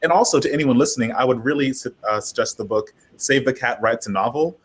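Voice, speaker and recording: Slightly husky man chatting on a panel. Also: mid-range voice, fast. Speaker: audio drama writer and panelist. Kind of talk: casual panel talk.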